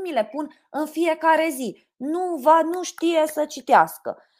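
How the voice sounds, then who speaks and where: A woman is speaking. Her pitch is high. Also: hardly any pauses. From Romania, Sibiu area. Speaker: trainer and cultural manager. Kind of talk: casual interview chat.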